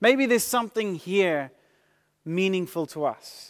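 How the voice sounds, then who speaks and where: A man speaks at a fairly slow pace with an American accent, his pitch high and its variation ordinary, on a very clean recording with a silent background. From New Zealand. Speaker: preacher. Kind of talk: sermon. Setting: church.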